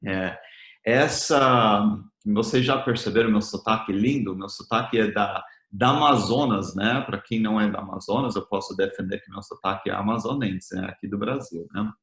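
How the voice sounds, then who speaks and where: A man's voice: on the low side, normal speed, fairly bright tone. A man from the United States with an American accent, preaching a conversational sermon as a missionary in a language that is not his first, often ending his phrases with a tag question. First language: English. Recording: roomy echo.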